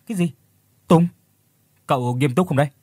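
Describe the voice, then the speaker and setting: A man's voice: on the high side, moderate pace, a little mellow, no echo, close to an everyday voice. A man voicing a brusque middle-aged male company director who talks bluntly and teases in a spoken horror story. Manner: blunt, offhand, mildly mocking.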